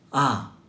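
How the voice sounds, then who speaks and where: A man from Heilongjiang with a Northeastern Mandarin accent, hosting a livestream and firing sarcastic, combative retorts at viewer comments with exaggerated exclamations. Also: pushed and bright. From Heilongjiang, China. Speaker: livestream host. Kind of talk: casual livestream chat answering viewer comments. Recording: echoey room sound.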